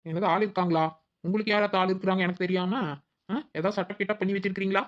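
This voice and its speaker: A cheeky young daughter-in-law in a cartoon, played by a woman, whining and needling in a quick, mid-pitched voice. The sound is a bit dull and lo-fi. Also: little pitch movement, close to an everyday voice. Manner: whiny and cheeky. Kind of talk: cartoon voice acting.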